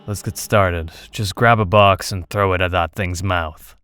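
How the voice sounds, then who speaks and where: A man's voice: low voice, steady tone, a little slow, fairly bright tone. A man voicing a blunt, jaded, grumbling male volunteer in horror story dialogue, with music behind him. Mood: jaded, nonchalant. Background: background music.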